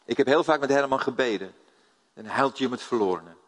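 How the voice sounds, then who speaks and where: A man's voice: medium pitch, fairly quick. An older Dutch man preaching a sermon, telling stories and putting questions to his congregation. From Netherlands. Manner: lively storytelling, asks the audience questions. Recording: long hall reverb.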